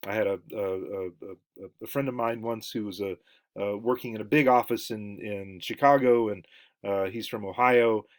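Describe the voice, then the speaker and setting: A man giving a lecture, halting with many fillers and restarts. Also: fairly low pitch. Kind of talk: recorded lecture.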